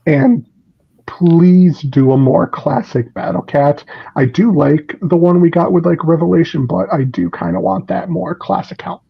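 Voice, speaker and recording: A man's voice: on the high side, measured pace, gravelly, breathy edge. A man talking in casual conversation. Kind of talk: casual chat. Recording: dull lo-fi microphone sound.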